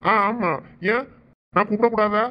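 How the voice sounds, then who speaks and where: A man's voice: high voice, steady tone, moderate pace, lightly acted. A man voicing a sly, scheming young man in a cartoon, with a Thoothukudi Tamil accent. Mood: coaxing. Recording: dull lo-fi sound.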